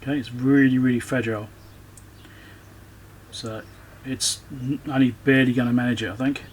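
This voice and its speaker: Speaking at a moderate pace with medium pitch and fairly even intonation, a man narrates his own electronics repair video. He works hands-on, casually thinking aloud and muttering to himself, while clear background noise sits behind his voice.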